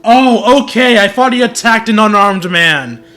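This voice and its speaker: Casting: male gamer, higher voice, unhurried casual playthrough commentary, playful, faint game music behind. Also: sharp tone. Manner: playful, reacting aloud. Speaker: video game streamer.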